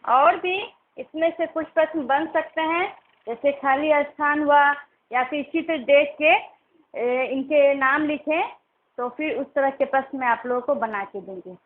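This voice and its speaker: A woman teaching young children, slowly and patiently sounding out syllables and simple words. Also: high voice. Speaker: primary school teacher. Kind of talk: recorded online class lesson. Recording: tinny phone-like recording.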